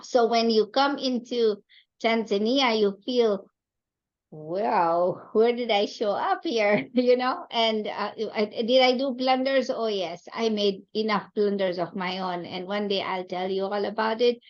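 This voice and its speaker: A woman from Kenya speaking as an interview guest, telling of her life in a halting, reflective way with rhetorical check-ins. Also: mid-range voice, muffled recording. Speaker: podcast guest, entrepreneur and coach. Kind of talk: conversational interview storytelling.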